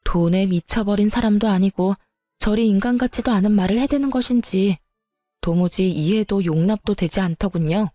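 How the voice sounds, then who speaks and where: A woman's voice: mid-range voice, moderate pace, warm tone, no echo, soft background music. A woman narrating a scripted family-drama story in an indignant, sarcastic tone.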